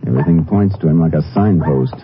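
Steady Texas lawman, deep voice, clipped matter-of-fact delivery, 1950s radio drama, heavy background noise. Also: fast. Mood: calm, probing. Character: steady, methodical Texas Ranger investigator. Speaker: lead actor and narrator of a radio crime drama. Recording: noisy, muffled 1950s radio recording.

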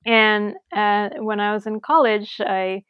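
A woman's voice: mid-range voice, steady tone, takes it slowly, clean tone, no room sound, muffled recording. A woman from Sri Lanka, a conservation scientist, speaking as a guest in a casual interview, chatty with many fillers and restarts.

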